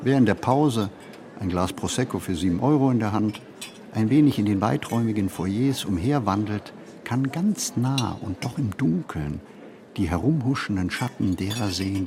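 An actor playing a reflective ageing writer in a literary radio play monologue, phrasing in a measured, deliberate way. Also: male voice, fairly low pitch, expressive, vocal fry, background noise. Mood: sombre, observant. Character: reflective ageing male writer recalling a poor childhood.

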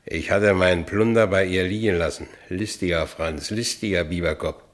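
A male actor plays a working-class Berlin ex-convict in a radio play. The voice is deep and low, the accent Berlin. He talks colloquially, brooding with bitterness and self-pity. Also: steady tone, moderate pace, natural voice. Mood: wry, brooding. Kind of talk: first-person radio play narration.

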